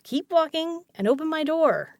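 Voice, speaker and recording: A woman's voice: sits high, expressive, normal speed, a little mellow, no echo, studio quality. A woman acting a caring, teasing young roommate in an intimate audio roleplay, speaking casually with playful emphasis and some swearing. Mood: bossy, teasing.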